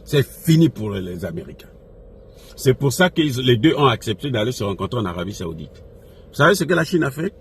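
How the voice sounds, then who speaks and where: Male political commentator, mid-pitched voice, emphatic and repetitive, impassioned unscripted delivery, noisy background. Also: sing-song, fairly quick. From Africa. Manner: emphatic, repeats phrases, rhetorical questions. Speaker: political commentator addressing followers. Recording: noisy recording with background ambience.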